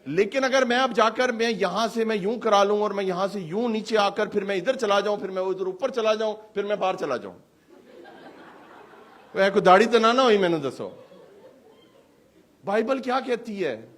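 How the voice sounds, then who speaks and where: A male pastor preaches a live sermon in a church hall. He speaks in an animated way and keeps asking the congregation rhetorical questions. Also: high voice, long pauses.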